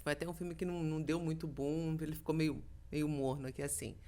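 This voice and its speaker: A woman's voice: deep voice, fast talker. A middle-aged woman from Brazil, a voice actress being interviewed on a podcast, telling stories and acting out quoted dialogue. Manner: lively storytelling, acts out quoted dialogue. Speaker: voice actress, guest.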